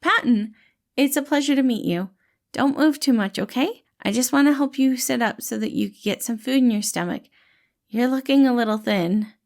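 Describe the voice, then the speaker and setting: A woman's voice: fairly high pitch, normal speed, voice pushed up, lightly acted. A woman voicing a tiny, kindly, cheerful male healer who talks in an eager, reassuring, fatherly way for a storybook. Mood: caring, cheery. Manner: eager, reassuring, gentle, calls people kiddo.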